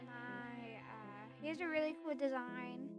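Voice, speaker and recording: A woman's voice: fairly high pitch, unhurried. A woman streamer chatting casually and playfully, rambling as she reads out her chat and teases viewers. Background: soft background music.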